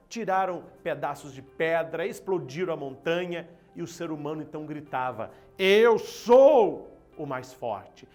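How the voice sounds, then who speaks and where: A man with a Brazilian Portuguese accent, a Catholic priest giving an Easter sermon, telling a parable slowly and with emphatic, dramatic delivery. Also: on the high side. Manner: slow, dramatic, emphatic storytelling.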